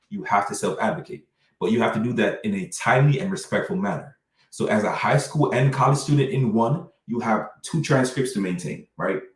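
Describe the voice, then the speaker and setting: A man walks students through course details in an emphatic presenter's voice, low-pitched and often tagging "right?" onto his points. He sounds set back from the mic in a reverberant room. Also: far from the mic. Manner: emphatic, keeps asking "right?". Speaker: dual enrollment presenter. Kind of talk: informational presentation.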